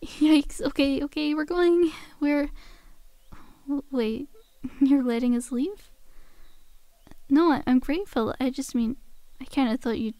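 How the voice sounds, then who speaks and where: A woman's voice: high voice, unhurried, pauses often, warm tone, no echo. A woman playing a cheeky, cajoling undead zombie girl in an ASMR roleplay, with a casual, teasing, conversational delivery. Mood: nervous, backpedaling.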